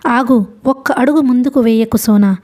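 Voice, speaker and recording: A woman's voice: on the high side, moderate pace, warm tone, close to an everyday voice. A woman reading the part of a stern, proud wealthy father who speaks harshly and commandingly, in an audiobook.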